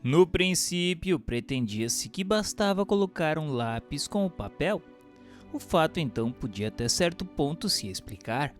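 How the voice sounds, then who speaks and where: A man giving a measured, formal reading of a spiritist book as narrator. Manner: measured, formal reading with lively pitch swings. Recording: reading with faint music underneath.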